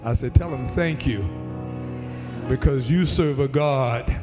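A man with an African American accent preaching a fervent church sermon in emphatic, repeated, drawn-out phrases that can rise toward a shout. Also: medium pitch. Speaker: pastor preaching. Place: large reverberant church hall. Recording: long hall reverb, music under the voice. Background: musical instrument playing under the preaching.

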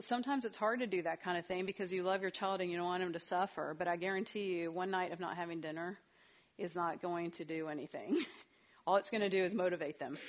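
A woman counselor giving a talk on parenting, conversational and storytelling, with fillers and asides. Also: lowish voice. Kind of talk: parenting talk with personal anecdotes.

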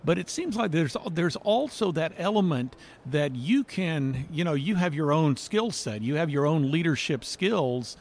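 A man's voice: a little high, expressive, unhurried, few pauses. A man hosting a Christian radio interview show, asking long rambling questions and laughing easily.

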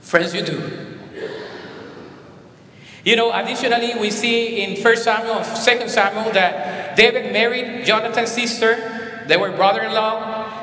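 Colombian-accented pastor preaching in a reverberant hall. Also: male voice, sits high, unhurried, pauses often, slight background noise. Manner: animated preaching with emphatic repetitions. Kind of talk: sermon. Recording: echoey hall with long reverb.

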